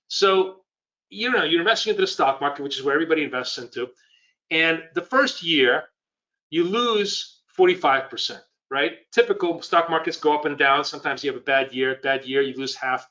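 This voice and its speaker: The sound is lo-fi: a slightly high, pushed, bright male voice belonging to a trading educator who has a cold. Hoarse and rambling, he chats casually through his live webinar and quizzes the people watching.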